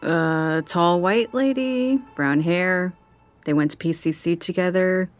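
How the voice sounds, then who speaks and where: A woman acting as a caring, searching young niece, hesitant and gently pleading, in a naturalistic audio drama. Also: on the low side, slow pace, soft background music. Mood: tentative.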